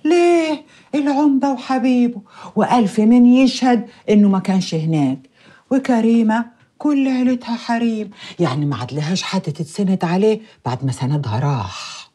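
An actress playing a scheming, vengeful middle-aged village matriarch, gloating and sly. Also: female voice, a little high, expressive, normal speed, mellow, breathy edge. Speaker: mother-in-law. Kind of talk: TV drama acting. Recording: faint music score behind.

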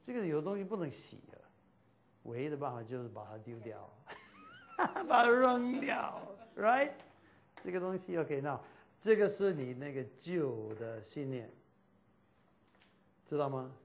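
A man's voice: mid-range voice, lively intonation, normal speed, warm tone, slight background noise. A man teaching a Christian class, speaking in a loose, repetitive way and dropping in English fillers like "OK".

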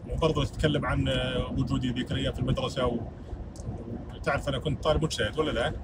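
A young man hosting a livestream from a car at night, talking fast and politely on a phone call. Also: mid-range voice, fairly even intonation, recorded from a distance, heavy background noise. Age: young adult. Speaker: livestream host. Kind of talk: casual livestream chat. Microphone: phone camera at arm's length.

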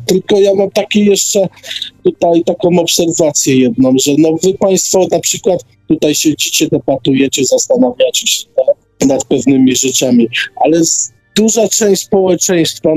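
A man's voice: a little high, big pitch swings, measured pace, a little mellow, no room sound, soft background music, rough recording. A man taking part in a casual radio discussion, repeating words as he searches for phrasing.

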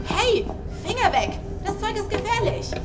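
A woman playing a nervous, hesitant laboratory doctor who is quick to protest, in an audio drama. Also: extremely high pitch, animated, heavy background noise. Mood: alarmed.

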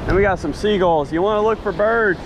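A man hosting a fishing vlog, chatting casually and excitedly while casting and fighting fish from the surf. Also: sits high, a little fast. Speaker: fishing channel host. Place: sandy ocean beach outdoors at sunrise. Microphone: chest-mounted action camera. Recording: outdoor action cam with surf noise. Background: surf and waves.

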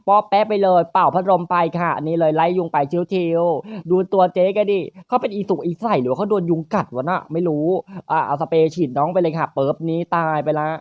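A gaming channel host, giving playful, crude let's-play commentary in quick teasing banter. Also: dry recording, lo-fi sound. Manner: crude, teasing, rapid banter with frequent high laughs.

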